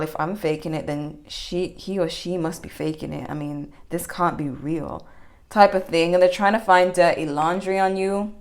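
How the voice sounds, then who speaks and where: Low-voiced woman doing a rambling tarot reading. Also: a little mellow. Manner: rambling, many fillers and restarts. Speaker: tarot reader. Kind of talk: general tarot reading, casual monologue.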